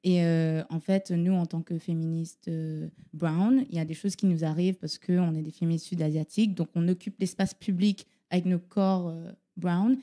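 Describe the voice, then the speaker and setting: Une invitée explique longuement ses idées en hésitant souvent, d'une voix plutôt grave au timbre très sombre et doux. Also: female voice, on the low side, steady tone, moderate pace, few pauses, mellow. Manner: explanatory, hesitant with many fillers. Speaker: guest, activist collective member. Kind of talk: interview answers.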